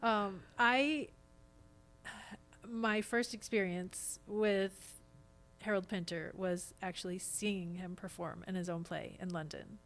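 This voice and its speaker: Woman, fifties, American, mid-pitched voice, casual and explanatory interviewee on a podcast. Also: steady tone, slow, a bit bright. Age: 50s. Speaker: actor, podcast guest.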